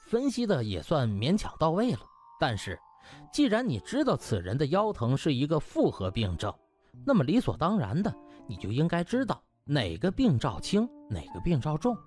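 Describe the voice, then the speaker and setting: A man's voice: a little high, huge pitch swings, moderate pace, a little mellow, faint music behind. A man voicing a cocky, glib young doctor in a comic audiobook, chatty, mock-humble and needling. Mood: condescending.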